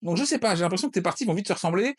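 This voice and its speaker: A man's voice: high-pitched, lively intonation, husky. A man co-hosting a casual board game review chat, joking and teasing his co-host. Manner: joking, teasing, fast-talking.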